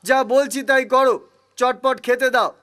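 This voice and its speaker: Behind a crafty cartoon village husband, music plays loudly. He is excitable and dramatic, exaggerating and wheedling as a comic jester. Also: very high voice, normal speed. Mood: excited, demanding. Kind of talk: animated comedy voice acting. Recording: loud background music.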